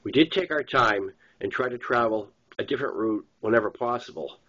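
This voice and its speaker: With a brisk, fairly bright mid-range voice, a man with a Boston accent reads aloud the first-person novel he wrote. It's plain narration with the occasional stumble, recorded with dull lo-fi quality.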